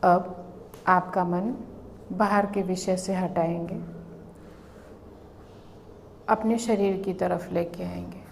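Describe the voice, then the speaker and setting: A woman leads a guided meditation as an instructor, calmly giving instructions in short phrases with long pauses. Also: lowish voice, vocal fry, slight background noise.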